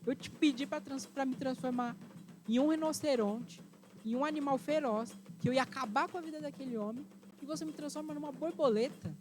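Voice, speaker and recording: A woman's voice: high-pitched, fairly quick, voice pushed up, natural voice. A woman storyteller voicing a proud, furious warrior queen who speaks defiantly. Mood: indignant. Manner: indignant, defiant, raised voice.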